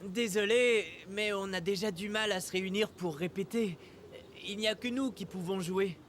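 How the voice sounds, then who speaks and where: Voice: medium pitch, moderate pace, over music, lightly acted. An actor voicing a friendly older boy who leads a band, instructing and encouraging younger children in a cartoon dub. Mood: apologetic, friendly.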